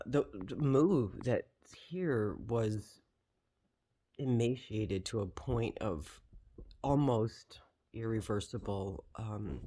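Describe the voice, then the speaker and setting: Slow, halting man rambling through an explanation. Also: on the low side, darkish tone, breathy edge. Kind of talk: personal explanation, unscripted vlog.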